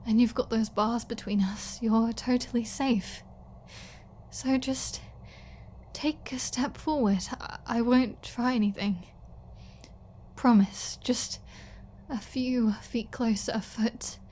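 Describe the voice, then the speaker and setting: A woman playing a flirty, starving captive vampire in an ASMR roleplay, halting and teasing, with breathy asides and pleading. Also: a little high, steady tone, darkish tone, slight background noise. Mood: hungry, pleading. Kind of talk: ASMR roleplay audio drama.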